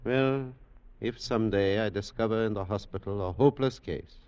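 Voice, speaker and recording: A man playing a skeptical, wry senior hospital doctor with formal, measured phrasing, in 1940s radio drama style. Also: lowish voice, a little mellow, clean tone, close to an everyday voice. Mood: grave, wry. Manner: measured, formal, dryly humorous. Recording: dull vintage 1940s radio recording.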